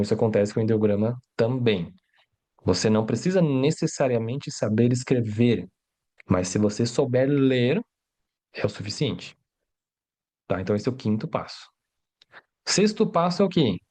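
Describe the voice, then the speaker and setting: A man teaching a language during a livestream lesson. He explains step by step, keeps asking rhetorical questions and checks in with his viewers. His voice sits at an ordinary middle pitch. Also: a little mellow. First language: Mandarin. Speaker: Mandarin teacher.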